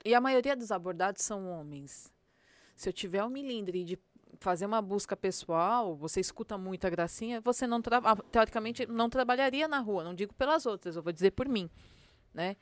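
São paulo policewoman, blunt and slangy, smooth clear voice, dry sound. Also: mid-range voice, expressive, fairly quick, dry recording. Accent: São Paulo Portuguese. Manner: blunt, slangy, acts out street commands. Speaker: police sergeant guest. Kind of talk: casual podcast interview.

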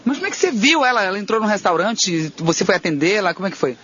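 A man hosts a radio interview and keeps prompting his guest, often finishing his sentences for him. His voice is high and bright, and he talks fast. The recording is dull and lo-fi. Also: sing-song, slightly rough. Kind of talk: casual interview.

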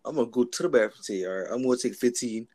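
A young man chatting casually with a friend, telling stories in relaxed slang with mumbled asides. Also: mid-range voice, rapid-fire. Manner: laid-back slangy storytelling, mumbled asides. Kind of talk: casual chat between friends.

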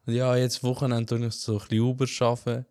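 A man's voice: mid-range voice, fast, no room sound, clean studio sound. A young man with a Swiss German accent, originally from Macedonia, telling a casual story in a podcast chat. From Albanian from Macedonia. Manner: animated, slangy storyteller with frequent filler tags. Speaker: podcast host.

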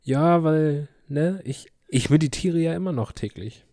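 A man's voice: on the high side, unhurried, warm tone, no echo. Man in his twenties, podcast co-host, chatty and teasing, dry close sound. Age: 20s. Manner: chatty, teasing, laughs easily. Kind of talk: casual podcast chat.

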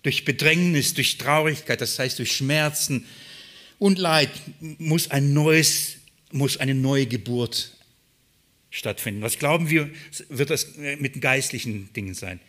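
A man preaches a sermon slowly in a medium-pitched voice, reading scripture aloud and explaining it. He shifts between hushed, quiet passages and emphatic, raised ones.

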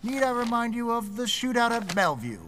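A man's voice: very high voice, big pitch swings, a little fast, fairly bright tone, a little hiss or hum, heavily acted. An actor playing a pompous, testy council chairman, officious and formal, in a 1940s-style radio drama. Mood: stern, accusing.

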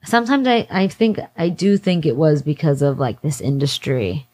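A woman in her late twenties with a slightly low voice, talking candidly as a guest in an interview. Her phrasing is loose and slangy, peppered with "like", as in a chat between friends. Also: sing-song, normal speed, mellow, husky. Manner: informal slang-filled talk, heavy use of "like". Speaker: interview guest working in music industry event production. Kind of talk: casual candid conversation.

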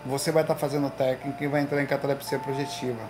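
A man hosting a casual livestream from his home, telling slangy, animated stories to his viewers. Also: mid-range voice, quick pace, noisy background. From Recife, Brazil. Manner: slangy, animated storytelling with lots of "velho" and "cara". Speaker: livestream host. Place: home room.

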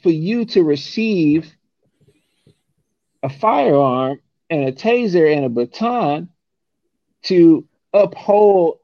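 Man, from san francisco, emphatic rhetorical talker, slightly high voice, dull dry recording. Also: no room sound. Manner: emphatic, rhetorical, repeats "right?". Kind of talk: casual conversation.

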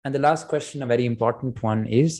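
Quick-talking male podcast host. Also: medium pitch, darkish tone. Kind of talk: conversational hosting, prompting a teacher with questions.

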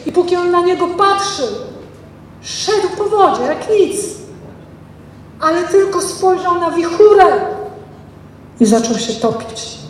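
A woman pastor preaches with a high, bright-pitched voice that rings through a church hall. She reads scripture and then retells it with emphatic, expressive preaching. The mic sits well away from her, so long reverb and faint room ambience surround every phrase. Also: takes it slowly, pauses often, far from the mic, slight background noise. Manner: ends in prayer. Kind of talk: sermon.

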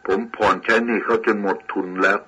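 A man's voice: lowish voice, little pitch movement, a little fast, bright, forceful tone, husky, poor audio. A man voicing an ashamed, debt-ridden younger man who speaks humbly and pleads for help. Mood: humble, pleading. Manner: pleading, deferential.

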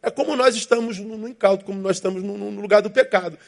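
A pastor delivers a sermon in a high voice. He preaches with emphatic repetition and acts out inner voices to make his point. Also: fast, vocal fry.

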